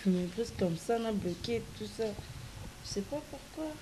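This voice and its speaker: Actress for an affectionate young Congolese wife, Congolese French accent, everyday voice. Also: female voice, medium pitch, expressive, moderate pace, background noise, lightly acted. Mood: pleading. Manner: chatty, soothing, pleading. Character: young woman, affectionate partner. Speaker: wife in a drama series. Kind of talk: Congolese TV drama acting.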